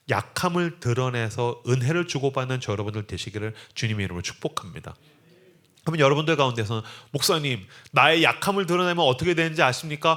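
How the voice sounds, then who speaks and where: A man preaching a sermon as a guest revival speaker, telling stories with lively, acted-out delivery. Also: mid-range voice. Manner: animated storytelling that acts out voices.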